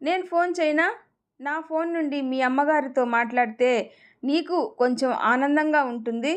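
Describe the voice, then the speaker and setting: A playful, affectionate young husband teases his wife in a storybook reading, voiced by a woman. The voice sits high for a man, light and fond rather than gruff. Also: normal speed, natural voice. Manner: teasing, affectionate.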